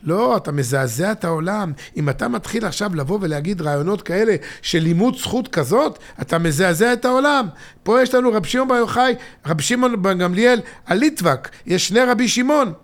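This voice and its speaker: A middle-aged father teaches religious texts on a podcast in a high, light voice. He presses points with emphasis, then sinks into quiet, intimate tones. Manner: expressive, swinging from emphatic to hushed and intimate.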